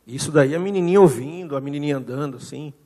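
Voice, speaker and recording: A man with a Brazilian Portuguese accent preaching a sermon, telling a story and acting out the dialogue with swings in loudness. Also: on the high side, fast talker, in a large hall. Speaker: pastor. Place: church hall.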